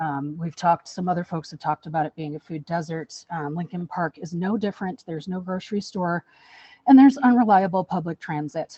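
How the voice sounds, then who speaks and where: Fairly low in pitch and somewhat breathy, a woman speaks at a fairly quick pace. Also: ordinary pitch variation, big swings in loudness. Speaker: community program manager. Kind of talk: panel presentation. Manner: fast.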